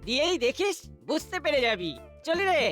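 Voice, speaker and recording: A woman voicing a boastful young cartoon boy who fancies himself an artist, speaking in repetitive, halting phrases. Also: high-pitched, very animated, fairly bright tone, faint music behind. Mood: cocky. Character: cocky bragging young boy, would-be artist and schemer. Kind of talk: cartoon voice acting.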